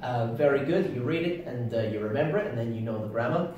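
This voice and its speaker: A man's voice: mid-range voice, expressive, fast, a little mellow, slight background noise. Dry-humored British man, echoey room. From Britain. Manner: dry, understated, hesitant with many uh fillers. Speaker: co-host. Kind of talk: casual chat. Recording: echoey room, distant mic, faint music.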